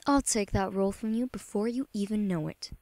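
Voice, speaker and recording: A woman's voice: mid-range voice, fairly quick, a little mellow, no room sound, voice pushed down, lightly acted. A woman voicing a cold, treacherous girl rival in an anime-style audition. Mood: cold, scornful.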